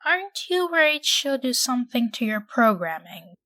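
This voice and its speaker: A woman's voice: high voice, very animated, normal speed, a bit bright, no echo, clean studio sound. A woman playing an anxious, doubtful young female homeowner in an audio drama, with incredulous delivery.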